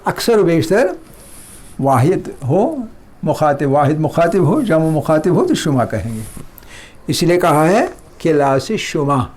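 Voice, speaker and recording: A middle-aged man teaching a Persian lesson, repeating words slowly and explaining them in a mix of Hindustani and English. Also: on the high side, sing-song, darkish tone. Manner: slow, drawn-out repetition of words. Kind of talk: slow classroom lesson.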